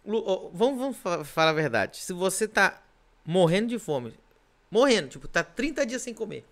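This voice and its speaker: High, animated Brazilian pastor preaching. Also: male voice, moderate pace. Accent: Brazilian Portuguese. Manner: emphatic, repetitive, rhetorical questions. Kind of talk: preaching on a podcast.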